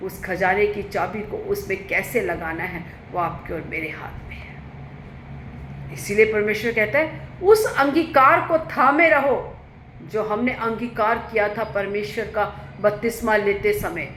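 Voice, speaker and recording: A woman preaching a sermon with fervour, climbing to emphatic high peaks and then dropping low and quiet. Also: steady tone, unhurried. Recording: echoey room with faint ambient noise.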